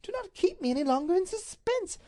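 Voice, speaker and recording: A woman voicing an anxious aristocratic Duchess, pleading in a high, breathless voice. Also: very animated, a little fast, mellow.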